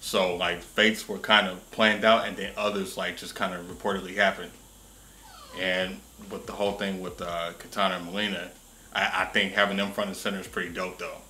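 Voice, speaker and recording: Deep, bright-voiced man in casual chat. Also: flat delivery, brisk, slight background noise. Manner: informal, agreeable interjections. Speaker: reaction show commentator.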